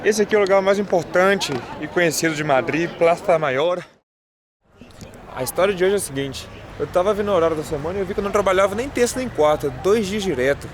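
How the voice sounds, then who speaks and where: A high-pitched, fast-talking man from Brazil hosts a travel vlog on the city streets, chatting casually with a Brazilian accent from his native Portuguese. The outdoor recording picks up a busy crowd all around.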